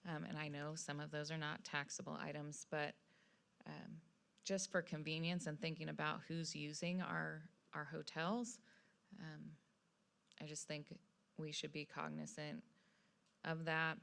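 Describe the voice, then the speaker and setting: A woman's voice: deep voice, unhurried, gravelly, a bit bright. A woman on a city council explaining her position in a conversational way.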